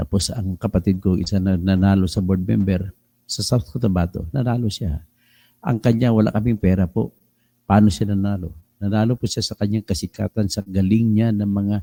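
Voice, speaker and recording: Fairly low male voice, dark and mellow, with fairly even intonation at a fairly quick pace, in a dry, close sound with no echo. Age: 50s. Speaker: lawyer and political commentator. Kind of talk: live stream commentary.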